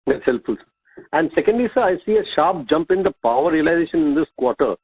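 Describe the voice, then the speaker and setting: A man's voice: a little high, animated, quick pace, slightly rough. A man, an analyst politely putting questions on an earnings call, heard over a phone line. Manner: polite, questioning, addresses others as sir. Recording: muffled tinny phone line.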